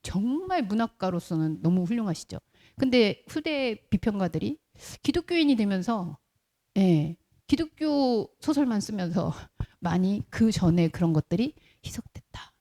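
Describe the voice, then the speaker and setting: Animated woman preaching a sermon. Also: medium pitch, a little slow. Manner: lively storytelling with rhetorical questions to the congregation; briefly acts out quoted voices in the middle of speech. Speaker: pastor. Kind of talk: conversational sermon.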